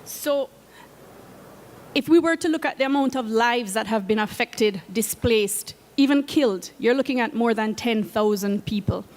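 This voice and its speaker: A woman with a Jamaican accent giving a prepared talk as a program head, earnest and measured. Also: fairly high pitch, darkish tone, big-room sound. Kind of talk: prepared presentation. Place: event space at a conference.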